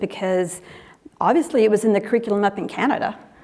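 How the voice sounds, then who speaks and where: A woman talks with a Southern US accent. Her pitch is medium, with ordinary variation. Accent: southern drawl. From Texas. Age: old. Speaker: former high school physics teacher, educator. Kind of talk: panel discussion. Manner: animated.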